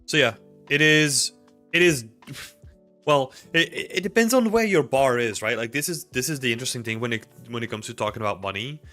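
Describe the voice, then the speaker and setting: A man's voice: mid-range voice, lively intonation, a little fast, bright, forceful tone, faint music behind. A man from Belgium in his thirties, casually chatting with livestream viewers, rambling with lots of fillers. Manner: rambling, filler-heavy, answers chat questions. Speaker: livestream host. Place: small home room indoors. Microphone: desk mic with headphones.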